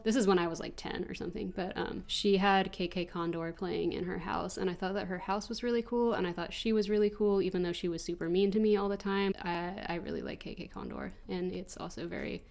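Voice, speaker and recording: A woman's voice: lowish voice, vocal fry. A woman in her twenties with an American accent, stuffy from allergies, chatting casually as she answers viewer questions over gameplay. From United States. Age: 20s. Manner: chatty, rambling, frequent ums and restarts. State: congested from allergies. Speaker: gaming channel host.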